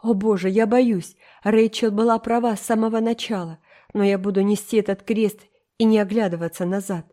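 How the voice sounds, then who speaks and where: A woman's voice: mid-range voice, fairly even intonation, normal speed, warm tone, lightly acted. A woman voicing a stern, strict older spinster in an audiobook, speaking in a firm, scolding, clipped way. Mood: exasperated.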